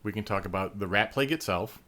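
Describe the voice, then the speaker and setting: A man's voice: on the low side, quick pace, bright, forceful tone. A man co-hosting a podcast, teasing in casual chat and reading long lore passages aloud. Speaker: podcast co-host.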